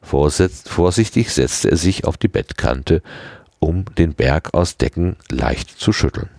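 A man reading a story aloud in an expressive manner, giving each character a voice. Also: extremely low pitch, measured pace, gravelly, no room sound, studio quality. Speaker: audiobook reader.

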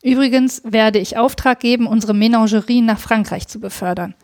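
A woman's voice: on the high side, steady tone, brisk, darkish tone, no echo, studio quality, close to an everyday voice. A woman voicing an urgent, commanding male scholar in a read-aloud story. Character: hurried middle-aged male scholar.

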